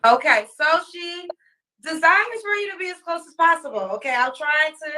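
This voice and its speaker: A woman hosts a casual interview, teasing her guest and pressing for answers. Her voice sits high and bright. She sounds a little away from the mic. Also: animated, moderate pace, distant mic, a little hiss or hum. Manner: teasing, probing questions. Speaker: podcast host.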